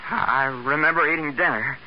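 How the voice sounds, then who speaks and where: A man's voice: fairly high pitch, normal speed, natural voice. An actor playing a dazed, anxious young man in a 1940s radio drama, speaking in a groggy, faltering, anguished way. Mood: confused, anguished. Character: dazed, anxious young male sales manager. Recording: muffled, hissy old radio recording.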